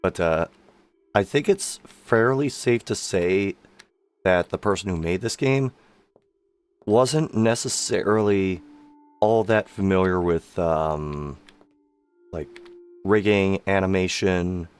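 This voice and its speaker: A man's voice: deep voice, slow pace, long pauses, clear, resonant tone. A man giving casual live-stream game commentary, his voice worn from sickness and hours of streaming. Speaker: streamer, amateur voice actor.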